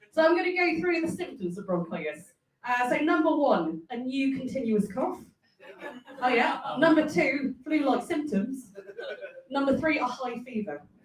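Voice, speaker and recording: Audible room echo carries a woman's high voice in a London accent. She speaks at a moderate pace with very wide pitch swings. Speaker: comedian. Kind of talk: stand-up. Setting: stage with audience. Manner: animated.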